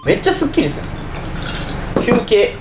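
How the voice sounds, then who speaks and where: A young man in excitable, tipsy casual banter during a drinking challenge. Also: high-pitched, normal speed. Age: young adult. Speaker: member of a video group. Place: indoors in a casual restaurant. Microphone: camera mic a few meters away. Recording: distant roomy mic, loud music behind.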